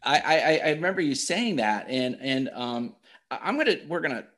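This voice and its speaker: A man's voice: medium pitch, very animated, normal speed, a bit bright. A man hosting a podcast interview, talking in a hesitant way with many restarts. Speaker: podcast host.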